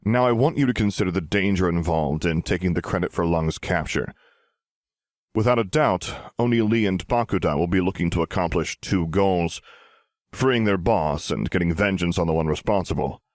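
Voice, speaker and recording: Man acting as a low-voiced, authoritative superhero. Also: no echo, clean studio sound, natural voice. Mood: grave, persuasive. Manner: deliberate, measured. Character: calm, authoritative male armored superhero, measured and persuasive. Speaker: voice actor. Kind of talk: audiobook character dialogue.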